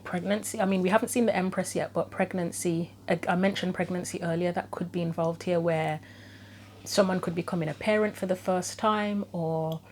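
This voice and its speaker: A woman's voice: on the low side, steady tone, a little fast, darkish tone, a little hiss or hum. A woman doing an informal tarot reading, thinking aloud through possibilities, her throat a little troubled and her voice starting to go. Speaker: tarot reader, host of own channel. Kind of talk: casual spoken tarot reading.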